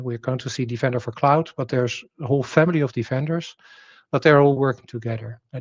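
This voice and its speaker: A man's voice: mid-range voice, dry recording, highs cut off. A man whose native language is Dutch, giving a technical presentation, explaining with rhetorical questions, fillers and restarts.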